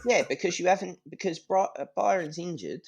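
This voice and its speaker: A man's voice: high voice, animated, fairly quick, creaky. A man talks football in a casual, ranting way. He is blunt and swears freely, like a supporter having his say on a fan podcast.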